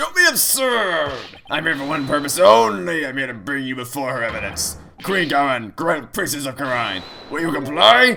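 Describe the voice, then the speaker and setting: A man shouts loudly in a put-on character voice, fairly high-pitched, at a moderate pace. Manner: loud, shouting, officious.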